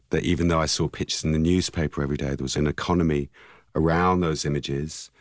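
A man in his forties with a very deep, low voice talks through his artistic past in an interview. He is reflective and searching, pausing and restarting as he finds his words. The sound is dry and close. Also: no echo. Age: 40s. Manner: thoughtful, searching, with pauses and restarts. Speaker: artist guest.

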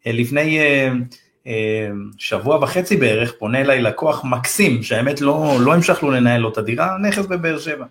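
A man from Israel's Ethiopian community, a real estate advisor, telling a story in a loose, slangy, animated way and acting out the dialogue. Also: mid-range voice. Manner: animated, acts out quoted dialogue in raised voices; loose, slangy, addresses listener as bro. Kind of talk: casual storytelling in a podcast interview.

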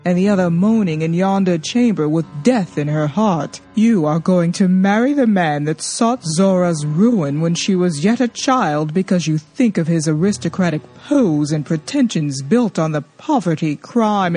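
A woman reader voicing a firm, steady older schoolteacher with plain common sense. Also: lowish voice, unhurried, few pauses, soft background music. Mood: stern rebuke. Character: stern, calm older woman teacher.

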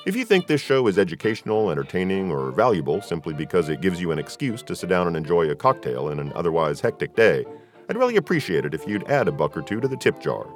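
A man's voice: deep voice, big pitch swings, fast, soft background music. A man hosting a podcast in a casual, conversational style. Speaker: podcast host and audiobook narrator. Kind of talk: casual podcast interview and chat.

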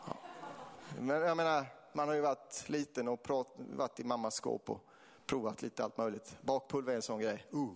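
A man's voice: mid-range voice, steady tone, creaky, big-room sound. A man from Småland giving a church sermon with a Småland accent, telling personal stories with laughter and rising to fervent preaching. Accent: Småland Swedish.

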